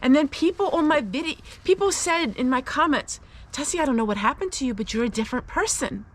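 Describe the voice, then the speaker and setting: A woman's voice: high-pitched, expressive, brisk. A woman sharing a personal Christian testimony, speaking in an earnest, confiding and emphatic way as she encourages listeners. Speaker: host of a faith-based personal vlog.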